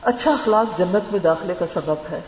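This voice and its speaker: A woman's voice: lowish voice, a little mellow, slight background noise. A woman giving an earnest religious lecture, advising her listeners and mixing in English words. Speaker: religious teacher. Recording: echoey hall, dull lo-fi sound.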